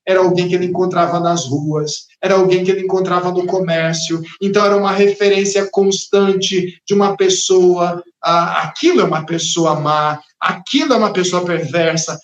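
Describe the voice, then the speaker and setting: A male pastor preaching with lively, expressive delivery, his voice sitting high for a man. He drops into quieter tones and briefly acts out the people in his story. The sound is echoey, as in a reverberant room. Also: normal speed, hardly any pauses, dull audio. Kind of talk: sermon.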